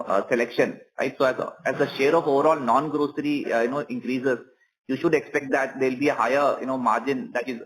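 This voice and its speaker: A man with an Indian accent answering questions as a company executive on an earnings call, in measured corporate wording. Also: medium pitch, a little hiss or hum, low-quality recording.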